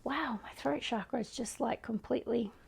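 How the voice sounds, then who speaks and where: Hoarse Scottish woman with gravelly creak. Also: fairly high pitch, moderate pace. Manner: chatty and reassuring, often clearing her throat. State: hoarse, losing her voice. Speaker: tarot reader. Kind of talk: casual tarot reading to camera. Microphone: microphone.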